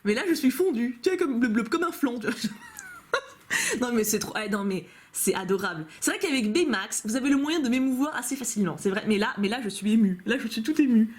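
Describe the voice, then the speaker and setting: Hardly pausing, this fast-talking young woman has a voice on the high side, animated yet a little mellow. She's a YouTuber opening fan mail at home on a camcorder, and her casual chat over the fan-made cards is gushing, playful and full of laughter.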